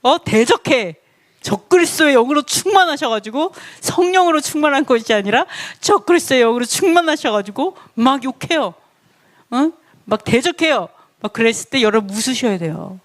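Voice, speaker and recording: A woman giving a lively, playful Bible lesson who laughs often and keeps asking her listeners questions. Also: sits high, fairly quick. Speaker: Bible teacher.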